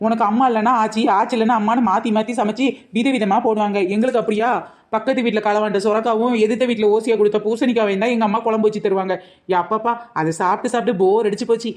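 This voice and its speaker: A chatty teenage cartoon girl who rattles on fast in a raised voice, as a woman voices her. She gossips eagerly about home and food. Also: a little high, steady tone, a little mellow, natural voice. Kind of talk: cartoon voice acting.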